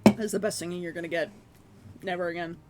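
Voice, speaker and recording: A streamer chatting casually with viewers from their room at home, rambling and laughing at themselves, with a hoarse voice that is giving out. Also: medium pitch, fairly even intonation, fast, loud music behind the voice. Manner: rambling, self-deprecating, laughs often. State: hoarse, losing voice.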